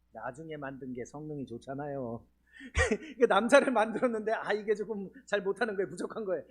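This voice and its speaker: A man's voice: high-pitched, husky. A male pastor from the region preaching at a church healing seminar, asking the congregation questions as he goes. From Chungcheong region, Korea. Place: church sanctuary.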